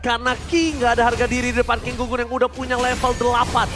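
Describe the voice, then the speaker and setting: Man, Indonesian accent, hyped fighting game announcer shouting, very high voice, fast, loud music behind. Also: completely flat delivery. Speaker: esports caster. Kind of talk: live play-by-play esports commentary.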